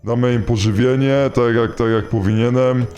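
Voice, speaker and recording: A man putting on a disguised deep voice to play a bossy male security guard in a game. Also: steady tone, moderate pace, darkish tone, faint music behind, close to an everyday voice. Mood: stern guard. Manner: bossy, threatening, hesitant.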